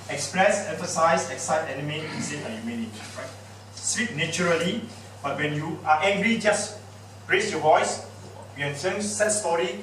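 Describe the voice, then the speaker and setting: Animated Singaporean man coaching speakers. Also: on the high side. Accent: Singaporean English. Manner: animated and playful, quizzes and teases the audience. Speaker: public speaking trainer. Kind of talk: lively workshop talk to an audience. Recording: echoey room picked up from a distance with background noise.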